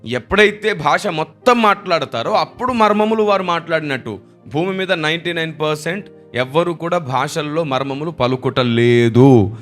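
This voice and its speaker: A man's voice: high-pitched, fairly bright tone. A man preaching a sermon, emphatic and repeating phrases for stress. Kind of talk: Telugu sermon.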